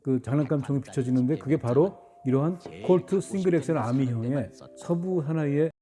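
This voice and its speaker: A man's voice: on the high side, a little fast, dark tone, soft background music. A middle-aged man giving a casual product review narration. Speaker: replica gun reviewer.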